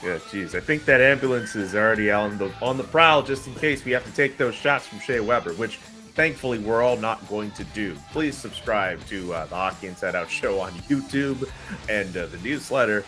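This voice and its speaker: A male podcast host with a fairly low but bright, forward voice. He steers a sports panel casually, with faint music behind him. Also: moderate pace.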